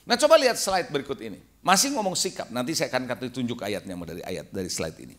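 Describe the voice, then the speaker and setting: A middle-aged male pastor giving a lively youth sermon, quizzing the crowd with questions and acting out quoted replies. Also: fast. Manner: acts out quoted replies in a higher voice.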